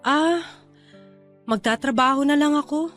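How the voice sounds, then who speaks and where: A woman's voice: sits high, unhurried, a bit bright, faint music behind. A woman playing a tired young mother in a Tagalog radio drama, a defensive and evasive fiancée. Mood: defensive, weary.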